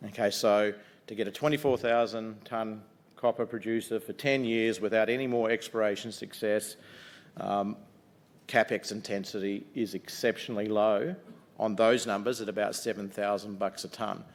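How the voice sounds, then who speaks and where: A loud, fairly low-voiced man with a New Zealand accent presents to investors in a conference room. He is middle-aged and talks in an upbeat, casual way, dropping frequent ums and uhs as he goes. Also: steady tone, moderate pace. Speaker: mining company executive presenting to investors.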